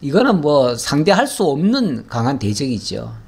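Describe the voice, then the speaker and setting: A man's voice: mid-range voice, big pitch swings, normal speed, creaky, darkish tone, breathy edge. A middle-aged male pastor giving a folksy, conversational Bible teaching sermon, acting out prayers in a pleading voice. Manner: folksy, acts out prayers in a pleading voice, laughs often.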